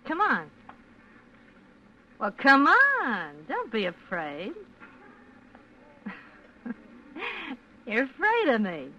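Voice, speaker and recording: High-voiced radio temptress, unhurried. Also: female voice, huge pitch swings, sharp tone, lo-fi sound, heavily acted. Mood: coaxing. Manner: coy, coaxing, teasing. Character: flirtatious, pushy, scheming wife of a butcher. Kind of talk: old-time radio suspense acting. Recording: distant old radio recording, music behind.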